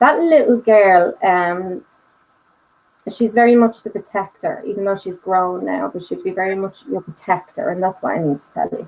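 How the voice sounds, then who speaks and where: The speaker has an Irish accent and talks at a moderate pace. Pitch moves with ordinary variation. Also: woman, medium pitch for a woman. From Ireland. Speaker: psychic medium. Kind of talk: live mediumship reading. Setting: live stream video call.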